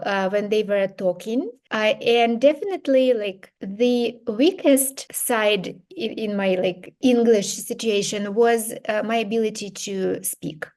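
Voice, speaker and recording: Slow-speaking Ukrainian-accented woman. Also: fairly high pitch, darkish tone. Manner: slow, thoughtful, many hesitations. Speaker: podcast guest. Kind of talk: interview answers.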